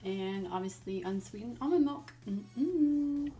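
A woman's voice: medium pitch, moderate pace, a little mellow, a little hiss or hum. A young woman chatting casually in a vlog, talking in an easygoing way full of "like" fillers. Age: young adult. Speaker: vlogger.

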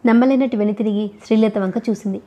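A woman narrating a novel as an audiobook reader, in a steady, even storytelling manner. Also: mid-range voice, fast talker.

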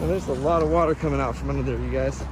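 A man casually vlogging outdoors beside a creek, chatting warmly to his viewers as he walks. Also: medium pitch, racing. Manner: chatty, affectionate toward viewers. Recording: loud outdoor noise and traffic.

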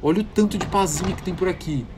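A man's voice: high voice, fast talker, darkish tone, slight background noise. A man with a Brazilian accent commentating on a horror game, panicky and easily startled. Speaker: gamer.

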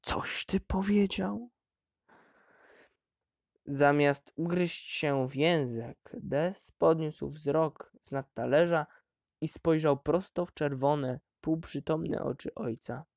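A man narrating an audiobook in a measured, deliberate way. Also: fairly high pitch, steady tone, gravelly, darkish tone, no echo, studio quality.

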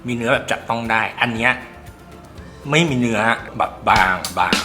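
A man talks through an earbud review in a loose, rambling manner at an ordinary middle pitch, hunting for the right words and letting casual swears slip. Clear music plays behind his voice. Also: moderate pace. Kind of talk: casual tech review talk.

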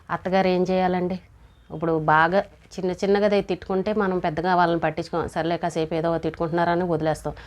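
Fast-talking woman giving family advice. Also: lowish voice, a little mellow. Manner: scolding, acts out quoted relatives. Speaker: motivational speaker. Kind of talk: advice talk to camera.

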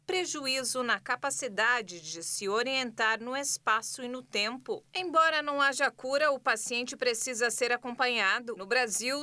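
A woman reading a scripted news report as a voice-over, in a clear and steady way. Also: fairly high pitch, dry recording.

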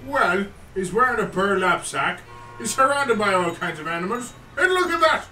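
An actor playing a put-upon, whiny husband in a comic radio drama. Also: male voice, sits high, big pitch swings, moderate pace, sharp tone, soft background music, heavily acted. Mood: amazed. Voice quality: whiny, exasperated. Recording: roomy, distant mic.

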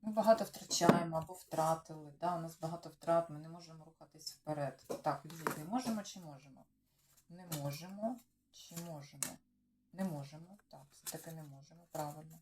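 A woman with a low voice and a Ukrainian accent speaks fairly quickly while giving a casual tarot reading on the news. She muses aloud to the cards and her viewers, often trailing off mid-thought. She is picked up by a clip-on or desk microphone against a noisy background.

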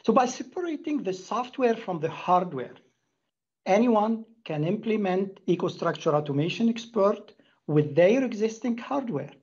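A man's voice: high-pitched, lively intonation, normal speed, a little mellow, husky, dull audio. A middle-aged man giving a prepared corporate presentation as an executive, speaking in an earnest, emphatic way. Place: indoor room, plain wall.

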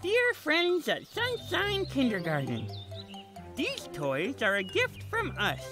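A woman voicing a cheerful, excitable little kindergarten boy in a children's cartoon. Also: sits high, slow pace, heavily acted. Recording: music behind.

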